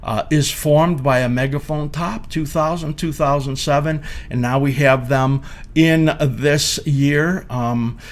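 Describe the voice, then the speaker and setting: A man in his sixties giving informal explanatory commentary as a market analyst, speaking haltingly with frequent hesitations. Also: on the high side, steady tone. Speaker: market analyst presenting a video series. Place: indoor studio or office at a desk.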